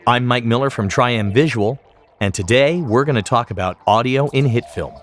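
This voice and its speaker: A man presenting a tutorial in scripted, explanatory narration, enunciating each term clearly. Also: mid-range voice.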